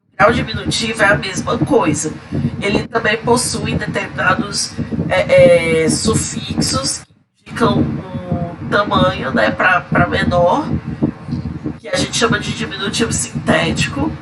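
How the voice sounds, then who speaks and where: A man with a stuffy nose teaching a recorded grammar lesson, listing word examples slowly with frequent fillers. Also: rumbling low, big pitch swings. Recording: loud background noise.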